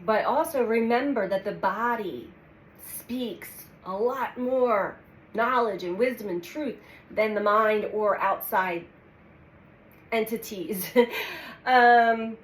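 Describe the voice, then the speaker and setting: A woman with a slightly stuffy, cold-affected voice gives a calm, measured tarot reading. She speaks in the middle of her range and pauses as she lays out cards. The sound is roomy, with steady background noise. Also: mid-range voice. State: congested from a cold. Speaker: tarot reader. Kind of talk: weekly astrology tarot reading. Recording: echoey room with audible background noise.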